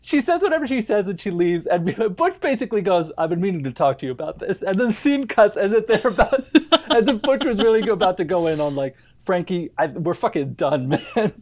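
A woman's voice: medium pitch, big pitch swings, fairly quick, a little mellow. A woman casually discussing a film as a podcast co-host, speaking in an emphatic, wry, amused way.

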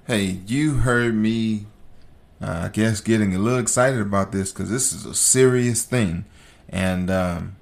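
A man's voice: fairly low pitch, measured pace, creaky. A man hosting an opinion talk show, speaking emphatically and straight to his listeners. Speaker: podcast host.

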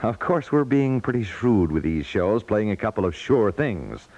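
American male announcer, 1950s radio promo, folksy pitchman with lively intonation, dry muffled sound. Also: moderate pace, no room sound. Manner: folksy, polished salesmanship.

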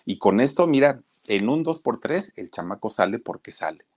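A man's voice: medium pitch, lively intonation, normal speed, husky. A man voicing a blunt, nosy neighbor woman from a poor village. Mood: confiding.

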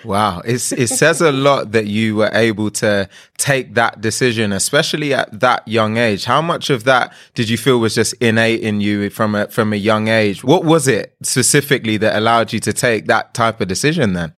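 A man's voice: lowish voice, normal speed, hardly any pauses, a bit bright, no echo, clean studio sound. A young man hosting a podcast interview, upbeat and enthusiastic with his guest. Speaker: podcast host.

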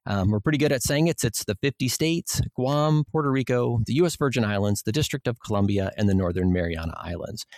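A middle-aged man with a Minnesota accent, answering interview questions in a measured, explanatory way as a podcast guest. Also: medium pitch, lively intonation, darkish tone, no echo. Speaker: guest, vice president of an exam organization.

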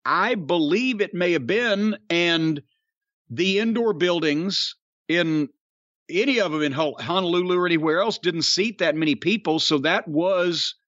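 A man's voice: fairly high pitch, a bit bright, no echo, muffled recording. A middle-aged man, hosting a wrestling podcast, drawling and storytelling as he quizzes his co-host. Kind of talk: casual wrestling podcast chat.

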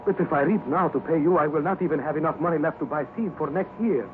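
An actor playing a poor, worried farmer who pleads anxiously and politely, in 1950s radio drama style. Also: male voice, a little high, fast, close to an everyday voice. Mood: pleading. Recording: narrow, hissy 1950s radio broadcast.

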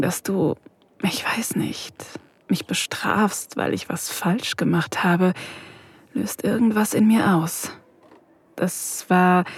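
A woman's voice: fairly low pitch, darkish tone, slightly rough, dry recording, exaggerated voice. A woman voicing a shy, flustered young woman researcher, narrating her thoughts hesitantly and in half-whispers in an intimate audio drama.

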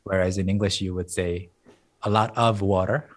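This is a man with a low voice whose first language is Korean. He speaks English in a relaxed interview and explains ideas thoughtfully, reaching for everyday analogies. He laughs lightly now and then. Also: normal speed. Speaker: guest, Korean language teacher. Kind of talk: casual conversational interview.

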